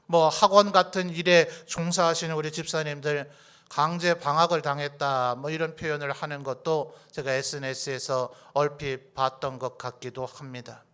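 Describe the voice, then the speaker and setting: Bright, clear-voiced man preaching. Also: a little high. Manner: earnest, pleading, reads scripture aloud. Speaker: pastor. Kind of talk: sermon.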